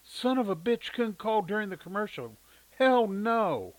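A man reads aloud as a weary small-town 1970s mother in a storybook, her voice pushed high and fretful. She is brusque with her kids but tender underneath. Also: a little slow, rough recording. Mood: irritated. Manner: raised, fretful pitch.

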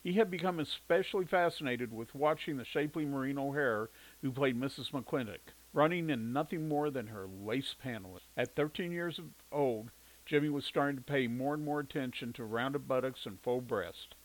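A man narrating a story in an even, steady reading voice. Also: mid-range voice, normal speed, rough recording.

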